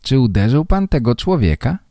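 A man's voice: mid-range voice, big pitch swings, normal speed, mellow, dry recording, studio quality, voice pushed up. A man doing a curt, stern policeman. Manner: curt and official. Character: stern small-town male policeman, curt. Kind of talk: slow read-aloud storytelling for learners.

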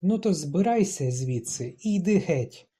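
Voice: mid-range voice, lively intonation, measured pace, slightly rough. An audiobook reader voicing a proud, stubborn young woman who speaks in clipped, emphatic lines and rises into defiant outbursts. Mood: angry. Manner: clipped, emphatic, rising to shouts.

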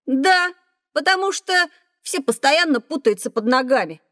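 A woman voicing a lively, curious schoolboy who asks eager questions in a children's audio drama. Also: high voice, normal speed, no echo. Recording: dry studio recording.

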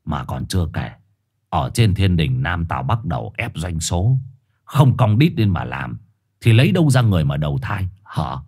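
Hoarse raspy male dog voice, deep growl, gruff and condescending, from a male narrator. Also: sing-song, moderate pace, darkish tone, exaggerated voice. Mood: low, conspiratorial. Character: gruff streetwise male black four-eyed dog, bossy.

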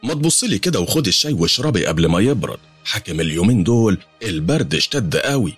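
A man's voice: on the low side, very animated, husky, dry recording, faint music behind, pitched above the performer's own voice. A man with an Egyptian Arabic accent voicing a chatty, motherly old female maid who dodges questions. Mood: fussing. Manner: fussy, boastful, fast-talking.

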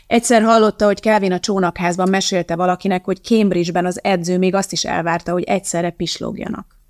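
A woman narrating an audiobook in an even, measured storytelling manner. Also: fairly low pitch, no echo, studio quality. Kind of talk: scripted narration.

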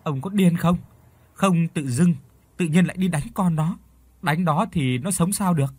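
A man voicing a distraught mother who cries and shouts while defending her son, in a storybook reading. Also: normal speed, breathy edge, no echo. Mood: tearful outrage. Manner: shrill, shouting in tears.

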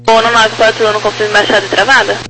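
A woman's voice crackles over a noisy aviation radio with a clear hum. She speaks as a tower controller to pilots over the radio, issuing procedural instructions in brisk phrases at an average pitch. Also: little pitch movement, pushed and bright. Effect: aviation radio transmission. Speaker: air traffic controller in the tower. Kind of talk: radio air traffic instructions.

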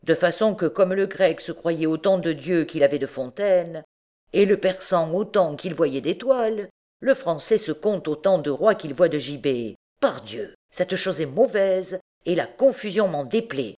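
A woman's voice: on the low side, lively intonation, a little slow, warm tone. A woman reading the part of a scheming, suspicious old king who muses darkly and barks orders, in an audiobook. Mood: brooding. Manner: musing, then barking orders.

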